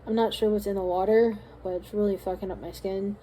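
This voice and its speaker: A very tired woman chats to her vlog in a loose, rambling way. Her voice is mellow and low in brightness, a bit strained as if starting to give out. There is light noise in the hotel room recording. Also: steady tone, brisk, poor audio. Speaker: small craft business owner vlogging. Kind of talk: casual rambling vlog diary.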